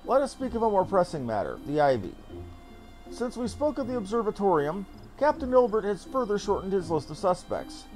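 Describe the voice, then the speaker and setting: An eloquent, composed leader from a fantasy video game, put on by a man reading aloud. The voice is fairly high and very lively in intonation, formal in phrasing, with music behind. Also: fairly quick, low-quality recording. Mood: composed, purposeful.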